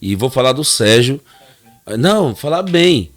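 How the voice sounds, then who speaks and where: A man's voice: medium pitch, big pitch swings, unhurried, soft background music. A man, hosting a podcast in a joking, chatty way. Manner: joking, chatty, laughs often. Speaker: podcast host. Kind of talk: casual interview.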